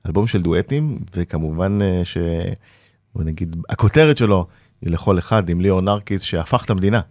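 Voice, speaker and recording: A man's voice: sits low, a little mellow, no echo, studio quality. A man hosting an interview, asking short questions and nodding along. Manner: brief prompts and affirmations. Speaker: host interviewer. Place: radio studio.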